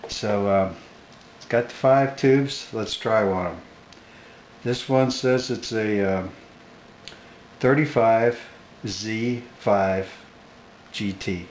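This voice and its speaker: Slow, low-voiced hobbyist man. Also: a little mellow, a little hiss or hum. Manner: unhurried, hesitant with many fillers. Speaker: hobbyist radio collector. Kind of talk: casual talk to camera.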